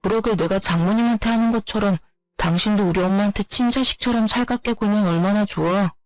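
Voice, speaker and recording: A woman's voice: mid-range voice, fast talker, faint music behind, lightly acted. A woman voicing a selfish, dismissive husband who brushes off complaints, in a storytelling narration. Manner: offhand, dismissive.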